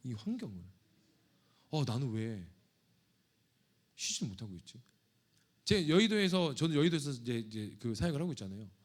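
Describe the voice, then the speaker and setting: A man's voice: mid-range voice, big pitch swings, moderate pace, pauses often. A male pastor preaching a sermon in a conversational, joking and confessional manner. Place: church sanctuary.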